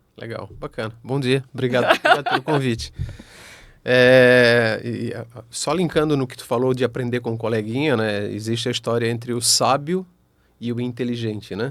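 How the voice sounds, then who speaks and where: At a moderate pace and medium pitch, a man uses an unremarkable speaking voice with fairly even intonation. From Florianópolis, Brazil. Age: 60s. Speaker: company founder. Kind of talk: interview.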